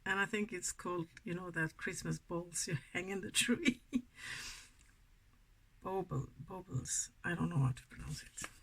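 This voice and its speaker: Soft, gravelly Swedish-accented woman. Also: lowish voice, a little slow, a little hiss or hum. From Sweden. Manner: soft-spoken, giggly, often drops to a whisper. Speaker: makeup vlogger. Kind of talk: casual makeup tutorial chat.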